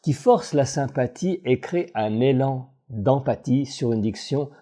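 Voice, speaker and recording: A man narrates a scripted analysis as a voice coach. He is measured and analytical, with a very dark timbre and a pitch that rises and falls expressively. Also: expressive.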